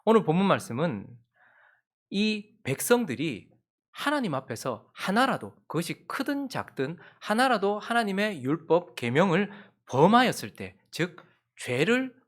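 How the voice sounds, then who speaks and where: Animated Korean pastor telling a story. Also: male voice, sits high, a little slow. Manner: storytelling, acts out the quotes, leads congregational reading. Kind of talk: sermon with a family story. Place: church sanctuary.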